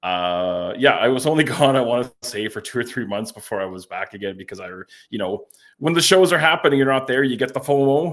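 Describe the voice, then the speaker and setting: An ordinary speaking voice from a man, medium in pitch and fairly quick, with lively intonation and big swings in loudness against a quiet background. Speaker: wrestling commentator and ring announcer. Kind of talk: interview answer.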